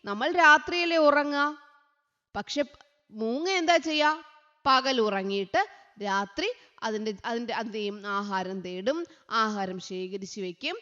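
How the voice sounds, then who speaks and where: A woman tutor, teaching young children, asking questions and answering them herself, sometimes chanting lines slowly. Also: a little high, expressive, sharp tone. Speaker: online tutor. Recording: dull sound with a long echo.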